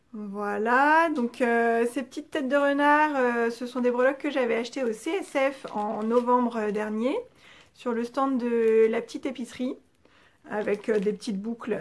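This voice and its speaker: Give me a slightly high-pitched woman from France, hosting a casual knitting vlog with lots of hesitant fillers. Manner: chatty with many hesitations. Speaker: knitting channel host.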